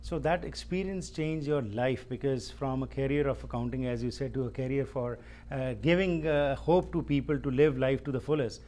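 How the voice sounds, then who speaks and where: A man hosting his own talk show, who introduces guests and asks long questions in a formal, measured way. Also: medium pitch, warm tone.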